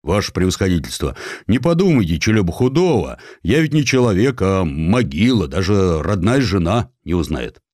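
A man's voice: deep voice, sing-song, moderate pace, darkish tone, dry recording, studio quality. A man voicing a fearful, ingratiating gold-mine owner who pleads hurriedly in an audiobook. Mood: anxious, servile.

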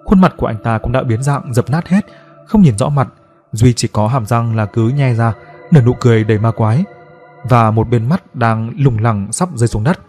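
A man narrating a scripted horror story in a steady, dramatic storytelling manner. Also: mid-range voice, normal speed, soft background music.

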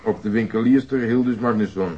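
A muffled, lo-fi radio drama recording of an actor as a stern male police detective. His voice is low and quick, and he presses on with formal, clipped questions. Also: close to an everyday voice. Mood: stern, probing. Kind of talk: radio crime drama acting.

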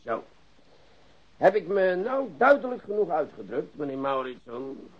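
A dull lo-fi radio drama recording of a male police interrogator. His highish, husky voice swoops through mock courtesy and drawn-out emphasis, sarcastic and relentless. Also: big pitch swings. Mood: stern, condescending. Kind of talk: radio play acting.

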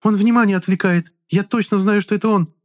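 A male narrator voicing a shrill, hysterical young woman who keeps shrieking accusations. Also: fairly even intonation, brisk, darkish tone, close to an everyday voice. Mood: insistent. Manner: shrieking, whiny, insistent. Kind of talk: audiobook character voice.

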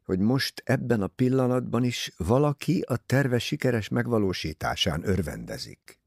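A man reading an audiobook, voicing a calm, shrewd older detective who speaks in a measured, probing way. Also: medium pitch, creaky, dry recording, clean studio sound, voice pushed up.

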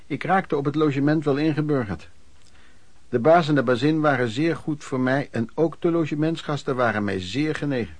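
A man's voice: mid-range voice, a little mellow, no echo, natural voice. An actor playing a former street peddler who frankly recounts his youth as radio play narration, in a conversational way. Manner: conversational storytelling.

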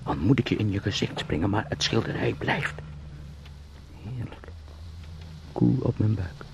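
A man's voice: lowish voice, a little slow, creaky, noisy background. An actor playing an anguished, pleading young salesman turned beetle in a radio drama, brooding and emotional. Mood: tender longing.

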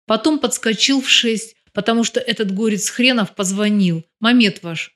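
A woman reading the part of a gruff, grumbling male bodyguard in an audiobook, with a lightly lifted voice. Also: on the high side, moderate pace, fairly bright tone, close to an everyday voice. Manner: grumbling, teasing.

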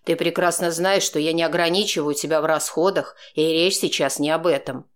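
A woman reader voicing a calm, blunt man who answers with curt irony, in her own low voice. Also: brisk, natural voice. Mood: sardonic. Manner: cool, ironic, curt. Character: composed, blunt, sarcastic man.

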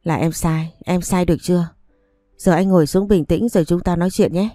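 A sly young wife who coaxes and begs, soft and sweet-talking, as a woman narrator voices her in an audiobook. The voice is low, warm and mellow, recorded close and dry. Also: fairly even intonation, a little fast, no room sound, faint music behind, close to an everyday voice. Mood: coaxing. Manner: coaxing and pleading. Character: scheming young wife, pleading, tearful, sly. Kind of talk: audiobook story reading.

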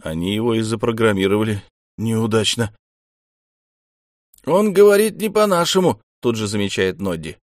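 A male narrator reads a first-person story in a low, calm, measured voice. The recording is dry and close, with no room sound. He keeps an even pace through both the narration and his own character's lines. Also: no echo. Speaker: audiobook narrator.

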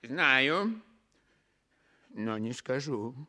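An actor playing an excitable, foolish commedia dell'arte servant who blusters, dithers and repeats himself in a comic radio stage play. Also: male voice, mid-range voice, very slow, exaggerated voice. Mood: scoffing.

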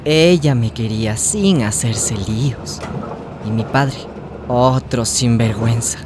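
An actress playing a warm, hopeful young trans woman who narrates her life in a radio drama in a confiding, emotive way. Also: very deep voice, slow, noisy background. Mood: wistful, reflective. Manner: confiding, emotive, sighing interjections.

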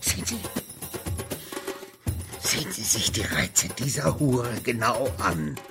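An actor playing a proud, domineering, hot-tempered Arab shipowner in a radio drama, haughty and commanding. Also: male voice, lowish voice, sing-song. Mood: angry, contemptuous. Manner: haughty, commanding, drawn-out exclamations. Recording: studio radio play with music behind.

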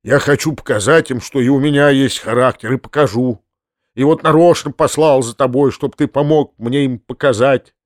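A man voicing an excitable middle-aged landowner uncle, a former cavalry officer, who swings from heartfelt pleading to shouted orders. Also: mid-range voice, moderate pace, no room sound, studio quality, close to an everyday voice. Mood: agitated. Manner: emotional, bursts into furious shouted orders.

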